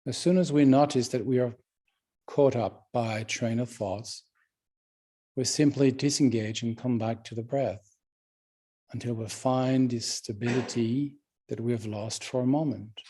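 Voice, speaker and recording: A man leading a guided meditation as a teacher, speaking calmly and gently with unhurried pauses. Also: medium pitch, slightly rough.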